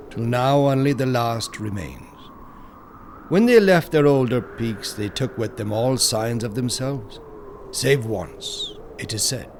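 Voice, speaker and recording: A man reading a scripted horror audiobook in a solemn, measured storytelling manner, with dramatic pauses and phrases that fall away at the end. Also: mid-range voice, a little hiss or hum.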